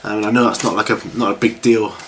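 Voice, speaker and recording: Still getting over a cold and coughing, a middle-aged host of a hobby Q&A series rambles casually to camera. He speaks quickly in a lowish, slightly bright and congested voice with little pitch movement, and the home recording is clearly noisy.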